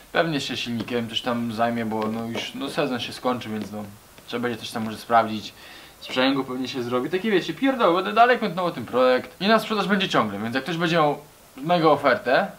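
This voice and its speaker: A man's voice: medium pitch, a bit bright. Young man, casual vlogger, slangy, rambling, small garage, camera a few meters off. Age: young adult. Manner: slangy, rambling, chatty, addresses viewers as buddies. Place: small garage with brick walls.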